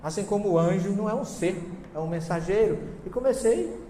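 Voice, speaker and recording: A man's voice: sits high, a little fast. Northeastern Brazilian man lecturing in echoey hall. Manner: lively storyteller, acts out dialogue, asks the audience questions. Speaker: lecturer on Bible translations. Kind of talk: lecture to a live audience. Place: large hall. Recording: echoey hall with long reverb, faint noise.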